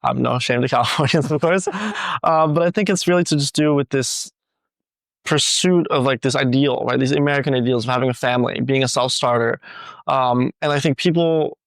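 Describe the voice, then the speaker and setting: A young man from the Netherlands, a student guest in a casual interview, talking quickly with many fillers. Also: mid-range voice, fairly even intonation, gravelly, no echo, studio quality. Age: young adult.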